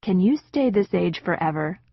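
A woman voicing a kind, sentimental middle-aged father who speaks softly. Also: on the low side, animated, moderate pace, vocal fry, no room sound, lo-fi sound.

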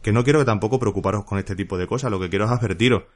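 A man's voice: fairly low pitch, very fast. A man hosting a casual solo podcast, chatty and jokey with playful asides. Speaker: podcast host.

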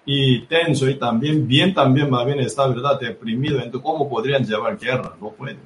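Male preacher, sermon delivery, halting repetitive phrasing, constant tag questions, roomy echo, faint background hum. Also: mid-range voice. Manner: constant tag question "¿verdad?" dropping soft after each phrase. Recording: echoey room with faint ambient noise.

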